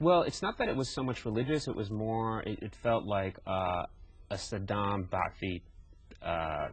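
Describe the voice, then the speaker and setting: A man with an American accent, fairly low in pitch and somewhat breathy, at a moderate pace with lively intonation, on a very clean recording with a silent background. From Iraq and US. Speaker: filmmaker. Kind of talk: interview.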